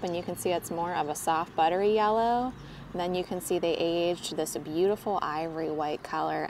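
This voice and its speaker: An American woman with a slightly low voice gives a casual gardening demonstration. She talks chattily and straight to her viewers. There is clear ambient noise behind her from recording around a home and garden. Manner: chatty, addresses viewers directly. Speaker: gardening vlogger. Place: home garden outdoors and inside the house.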